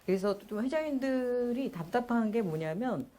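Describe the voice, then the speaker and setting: A woman hosting an interview who explains briskly and sums points up in short repeated phrases. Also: fairly high pitch, lively intonation, dark tone. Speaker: host. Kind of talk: casual talk-show interview.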